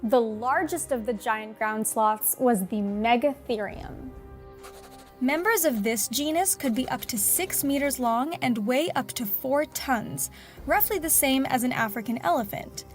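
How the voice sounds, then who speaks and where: A woman's voice: high voice, expressive, unhurried, faint music behind. A woman narrating a scripted nature documentary as the presenter of an animal show. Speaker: host and narrator of an animal channel.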